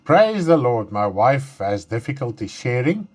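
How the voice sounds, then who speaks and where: A man's voice: mid-range voice, sing-song, darkish tone. Man teaching Bible study. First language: Afrikaans. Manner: earnest, halting, with frequent fillers and restarts. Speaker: pastor leading Bible study.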